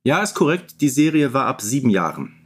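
A man co-hosting a podcast in a casual, measured, explanatory way. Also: mid-range voice, sing-song, breathy edge. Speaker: podcast co-host.

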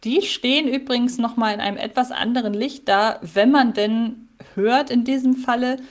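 A woman's voice: a little high, normal speed. A woman co-hosting a podcast in casual chat, analytical and wordy, often correcting herself. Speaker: podcast co-host. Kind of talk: casual chat about a radio play.

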